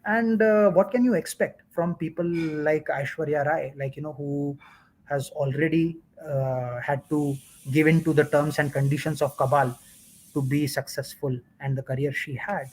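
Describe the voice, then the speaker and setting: A man's voice: a little high, fairly even intonation, moderate pace, low-quality recording. A man, a guest in a casual discussion, constantly saying "like, you know". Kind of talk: casual commentary chat.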